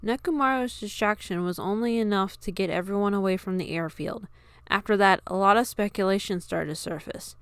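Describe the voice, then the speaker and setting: A woman's voice: medium pitch, brisk, smooth, no room sound. A woman reading scripted fiction aloud as an amateur audiobook narrator.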